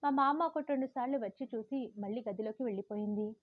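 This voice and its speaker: A woman from Telangana reading a heartfelt story in a fairly high voice, lively and expressive. The sound is close and dry with a slightly dull edge, like a simple home setup. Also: quick pace, dry recording. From Telangana, India. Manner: lively, acts out feelings while reading.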